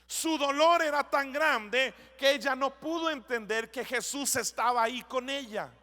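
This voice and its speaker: A man preaching a language sermon as a pastor, reading scripture slowly and building to emphatic declarations. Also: very high voice, bright, forceful tone. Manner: reads scripture slowly, then preaches with rising intensity. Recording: long church hall reverb.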